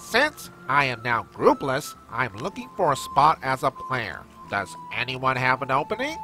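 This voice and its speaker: Clear music plays behind a put-on character voice delivered at a moderate pace. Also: man, medium pitch for a man. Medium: read story. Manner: passive-aggressive, sulky.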